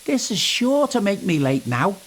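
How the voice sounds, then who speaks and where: A man's voice: high-pitched, big pitch swings, normal speed, background noise, pitched above the performer's own voice. A man voicing a proud, impatient, grumbling steam engine in a children's storybook. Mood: annoyed. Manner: grumbling, self-assured.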